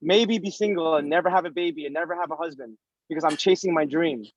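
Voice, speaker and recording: A man's voice: on the high side, fast talker, dry recording, dull audio. A man in his thirties giving casual, explanatory advice in an interview, stressing points with repetition and rhetorical questions. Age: 30s.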